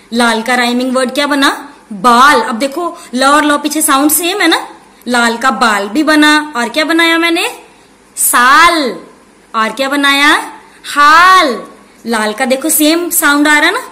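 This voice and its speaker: High-voiced teacher in an echoey room. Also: female voice, sharp tone. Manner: explains slowly, repeats key words and stresses them; calls the pupils 'beta' and asks questions before answering them. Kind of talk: online lesson for young children.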